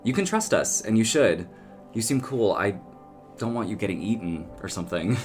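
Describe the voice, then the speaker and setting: A man plays a protective young townsman in an audio drama. His voice is on the low side, casual and earnest with an exasperated edge. Faint music runs behind him. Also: expressive, moderate pace, close to an everyday voice. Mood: earnest, reassuring. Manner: casual, earnest, gently scolding.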